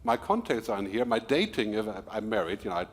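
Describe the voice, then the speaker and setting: Man, middle-aged, keynote speaker, quick and energetic, chatty asides. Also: lowish voice, a little hiss or hum. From Germany. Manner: energetic, quick, with small laughs and asides to the audience. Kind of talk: keynote talk to a live audience.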